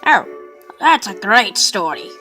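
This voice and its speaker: A woman's voice: medium pitch, very animated, slow, bright, forceful tone, soft background music, exaggerated voice. A woman voicing an easygoing, forgetful monster shopkeeper from a video game, rambling casually. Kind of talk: amateur video game character dub.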